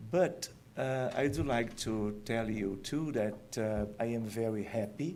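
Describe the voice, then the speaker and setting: A man speaks very slowly with a Brazilian Portuguese accent. His dark, mellow tone comes with audible room echo. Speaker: lecturer on spirituality and physics. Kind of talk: lecture. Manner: halting, many fillers.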